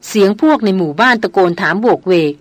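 A woman narrating a novel in an audiobook, telling the story in a steady, clear way. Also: medium pitch, quick pace, dry recording. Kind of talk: reading a novel aloud.

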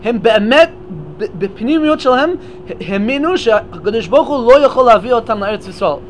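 A man with a raised, fairly high voice delivers a Torah lecture at a memorial gathering. He builds his explanation step by step, repeating and restarting words as he thinks. A faint background hum sits under the speech. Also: animated.

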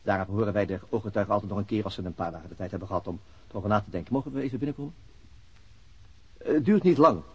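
A very husky police chief inspector from a radio play. He talks quickly and matter-of-factly, probing in an informal way, on a dull lo-fi recording. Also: lowish voice. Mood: polite, official. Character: unhurried, methodical male police chief inspector. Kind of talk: radio drama acting.

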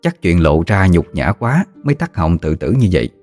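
A man narrating a ghost story in a steady, somber storytelling manner. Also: low-pitched, normal speed, faint music behind.

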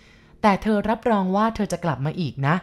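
A woman reading a novel aloud, voicing a gentle, lonely man in his forties who speaks slowly and calmly. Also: medium pitch, lightly acted. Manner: slow, calm, subdued.

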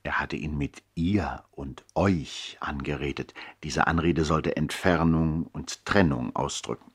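Deep, husky male storyteller. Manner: measured, dramatic storytelling. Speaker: narrator. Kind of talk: literary radio play narration, 1960s German.

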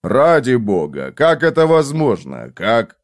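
A man voicing a brutal vengeful man who interrogates in a harsh, slow, menacing way. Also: mid-range voice, huge pitch swings. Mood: stunned.

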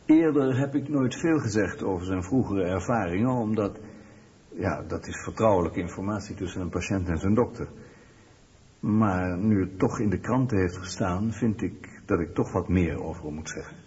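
A man acting as a grave, earnest doctor in a radio play, heard from a distance in a reverberant hall. He speaks low and deliberately, with measured pauses. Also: a little mellow, lightly acted. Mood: grave, reluctant. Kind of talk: Dutch radio documentary drama acting. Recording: echoey hall, distant muffled sound.

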